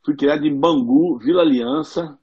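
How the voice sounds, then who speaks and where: A man's voice: fairly high pitch, moderate pace, a little mellow, husky, muffled recording. A man from Rio de Janeiro with a Carioca accent, a chatty guest telling stories on a video call. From Rio de Janeiro, Brazil. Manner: chatty storyteller, laughs often. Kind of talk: casual video-call interview.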